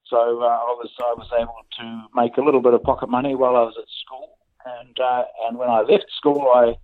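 A man in his sixties with a New Zealand accent, telling his life story as an interview guest in a plain, unhurried way. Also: medium pitch, dry recording. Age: 60s. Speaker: interview guest, business founder. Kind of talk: conversational interview. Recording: dry, phone-like remote line.

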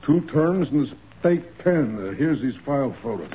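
An actor playing a gruff, businesslike police officer giving a report in 1940s radio style. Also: male voice, mid-range voice, animated, normal speed, lightly acted. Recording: muffled, hissy 1940s radio recording.

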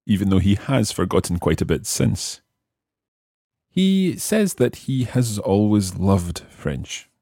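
A man's voice: on the low side, very animated, slow, mellow, dry recording, studio quality. A man hosting a language lesson, explaining and repeating phrases for learners in scripted teaching narration.

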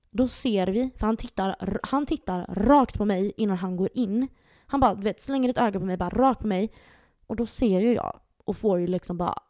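On a podcast, a young female co-host tells a story in a loose, lively way, doing the voices of the people she quotes. Her mid-range voice is dark and mellow, captured close and dry without any room sound.

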